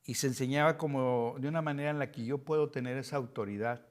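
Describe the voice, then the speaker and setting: A man's voice: medium pitch, fast talker. A middle-aged man with a Mexican Spanish accent, teaching a Bible study with his wife as co-teacher. He speaks earnestly and often restarts his words.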